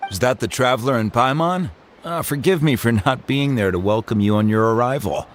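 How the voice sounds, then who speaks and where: A man's voice: medium pitch, expressive, fairly quick, a little hiss or hum, natural voice. A man voicing a dignified, courteous male tribal chief who speaks formally and gets to the point in a game. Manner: formal, polite, direct. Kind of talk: game voice acting.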